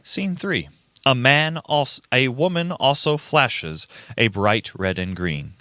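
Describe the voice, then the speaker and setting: Guy narrating a radio play script, crisp clear voice, deliberate, super dry recording. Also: mid-range voice, expressive, pushed and bright, no room sound. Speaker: reader, narrator.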